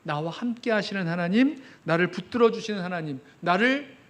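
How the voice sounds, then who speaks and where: A man's voice: high-pitched, animated, moderate pace, a bit bright. A male pastor preaching a sermon to his congregation, asking them questions directly and rising into impassioned pleading as he voices the psalmist's cry. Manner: rises to impassioned pleading when voicing the psalmist. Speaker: senior pastor. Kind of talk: Friday prayer meeting sermon. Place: church sanctuary.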